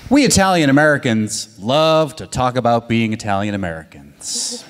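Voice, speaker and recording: A man's voice: mid-range voice, expressive, moderate pace, slight background noise. A man hosts a live storytelling show, chatting through a humorous aside before bringing on the next teller. His voice sits in a middle register. The sound carries the long reverb of a hall. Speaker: event host. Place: stage in a hall.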